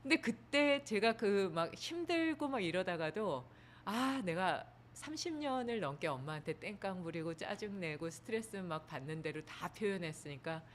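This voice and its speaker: A woman's voice: normal speed, a little hiss or hum. A middle-aged woman, a yoga and meditation teacher, telling stories in a casual talk, acting out quoted lines and laughing as she goes. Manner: animated, acts out quoted lines with big pitch jumps; laughs through her telling. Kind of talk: storytelling talk to an audience.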